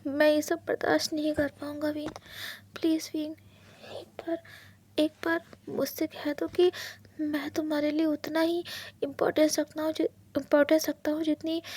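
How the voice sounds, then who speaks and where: A woman voicing an anguished young husband who fears being left, in whispered role-play, halting and pleading. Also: high voice, flat delivery, darkish tone. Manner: pleading, halting, repeats words. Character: anguished young husband, clingy and afraid of abandonment.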